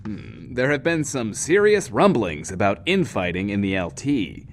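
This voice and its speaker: An actor playing a self-important, wordy, lonely radio host in a post-apocalyptic bunker, in an audio drama. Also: male voice, fairly low pitch, very animated, unhurried, a little hiss or hum. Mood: showy, gossipy. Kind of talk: in-world radio show monologue, audio drama.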